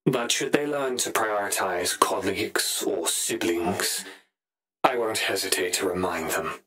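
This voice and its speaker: A man voicing an ambitious, brooding Sith Inquisitor in a pompous, deliberate, theatrical monologue for a scripted audio log. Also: deep voice, bright, forceful tone, breathy edge, heavily acted, low-quality recording. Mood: brooding, wary. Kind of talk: scripted in-character log narration.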